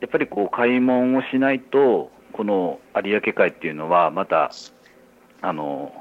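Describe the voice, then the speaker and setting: At a fairly slow pace, a man with a medium-pitched voice speaks with very wide pitch swings. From Nagasaki, Japan (Konagai, Isahaya Bay). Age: young. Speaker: fisherman. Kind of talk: interview. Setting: phone call.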